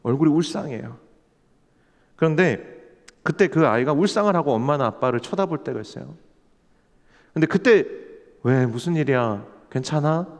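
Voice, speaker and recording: A man's voice: fairly high pitch, expressive, normal speed, pauses often. A man preaching a sermon as a church pastor, talking earnestly and building to fervent emphasis. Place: church sanctuary. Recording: long church hall reverb.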